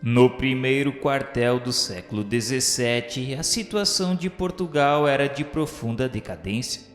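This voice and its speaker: A man's voice: mid-range voice, a little slow. A Brazilian man reading solemn scripted narration for a radio drama in a formal, declamatory way. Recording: echoey reverberant hall sound, music underneath.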